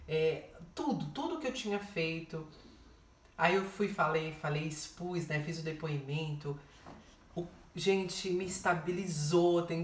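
A vlogger with a lowish voice shares an emotional personal testimony with her viewers, frequently repeating herself and addressing them directly. The mic is distant and the sound is reverberant.

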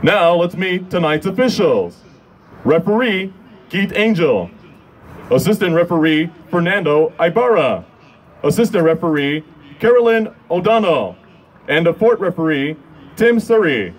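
A young man works as a public address announcer at a sports game, speaking into a handheld mic. His voice sits high for a man and moves in a very animated way through formal, scripted introductions. Crowd and background noise are clearly audible behind him. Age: 20s. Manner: formal, measured, drawn-out names. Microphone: handheld microphone held close.

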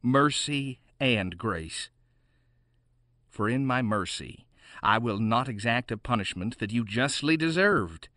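A man playing a gentle, merciful gardener who speaks in a formal, old-fashioned way in an audio drama. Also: medium pitch, expressive, slow pace, dry recording, studio quality. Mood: kindly, solemn.

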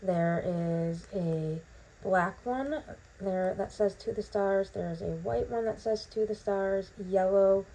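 Speaking slowly with a warm, mid-range voice, a female vlogger chats her way through a bathroom unboxing at home, the audio poor. She rambles and says um a lot, and her voice hasn't fully returned after being lost.

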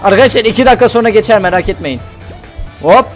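A man streaming a game live, excitable and talkative, yelping and shouting at the action while chatting to viewers. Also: high voice, fast, faint music behind. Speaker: gaming streamer.

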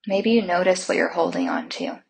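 A woman leading a Christian guided meditation in a soft, breathy voice, soothing and unhurried, with gentle instructions and long pauses. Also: fairly low pitch, wildly swooping pitch.

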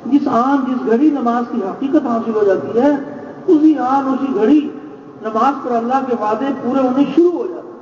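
High-voiced man preaching in an echoey space. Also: a little mellow. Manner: measured, exhorting, repeats phrases. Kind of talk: religious sermon. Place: large gathering space. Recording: echoey, distant, dull lo-fi with faint noise.

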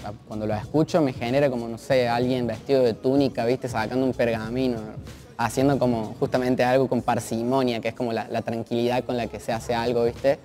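A man's voice: mid-range voice, level tone, brisk, dark tone. A young man in his twenties speaks with a Cordobese Argentine accent in a mid-range voice. He chats reflectively as an interview guest, using casual slang and tentative phrasing. Faint music plays beneath him. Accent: Cordobese Argentine Spanish. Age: 20s. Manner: slangy, tentative, searching for words. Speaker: interview guest, freestyle rapper. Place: large art gallery, indoors.

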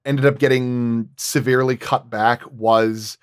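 A man with a mid-pitched voice chats casually as a sound designer guest. He explains step by step, haltingly, working out his examples as he speaks. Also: steady tone, clear, resonant tone. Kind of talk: casual roundtable talk.

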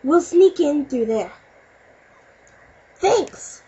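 Woman as a cartoon fox kid, boyish eager inventor, high voice, earnest and plucky, dull lo-fi home recording. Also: expressive, drawn-out words, mellow, heavily acted. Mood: confident. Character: young boy fox, eager clever inventor adventurer. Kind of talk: amateur cartoon character demo reading. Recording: muffled home recording with faint noise.

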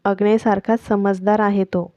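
Brief: gentle hopeful father, read by a woman narrator, mellow and soft, dull recording. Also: mid-range voice, level tone, moderate pace, dry recording, natural voice.

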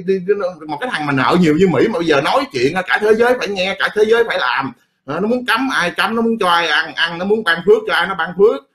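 A middle-aged man rants about politics, blunt and often crude. His speech rambles and circles back on itself. He talks very fast in a slightly raised voice. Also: high voice, fairly bright tone. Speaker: political commentator. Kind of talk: casual political rant.

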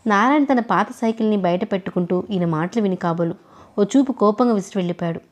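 A woman reading a novel aloud in a calm, even storytelling voice, giving the characters' lines only a light touch. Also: mid-range voice, fast.

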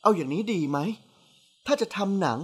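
A woman's voice: fairly low pitch, lively intonation, brisk, breathy edge. A woman reading a novel aloud, voicing a strict middle-aged aunt who is a senior doctor, firm but affectionate. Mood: scolding. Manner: firm, scolding yet affectionate.

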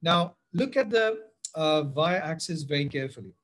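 Animated at a normal speed, the South Asian-accented teacher uses a slightly high, fairly bright voice to take pupils through a biology tutorial. He speaks to them directly in a screen-recorded voice-over, shifting between Hindi-Urdu and English.

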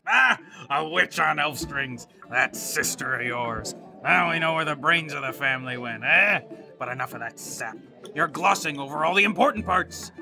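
A man playing a cantankerous, theatrical riverboat captain with a gravelly voice, loud and indignant, in an audio drama. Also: on the high side, expressive, moderate pace, over music. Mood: grumbling, storytelling.

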